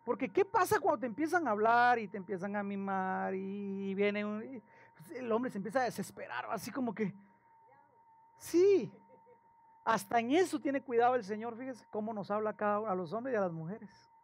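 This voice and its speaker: A male pastor, preaching a sermon in a lively storytelling way and asking the congregation questions. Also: sits high, normal speed. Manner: animated storytelling with acted quotes and questions to the congregation.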